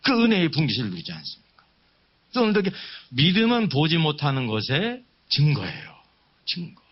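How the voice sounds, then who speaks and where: A man delivers a sermon in a fairly high voice that swings widely in pitch. He teaches emphatically, posing questions to his listeners and repeating key phrases, on a somewhat dull, lo-fi recording. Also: wildly swooping pitch, fairly quick, husky. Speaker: preacher leading a Bible seminar. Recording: dull, muffled lo-fi sound.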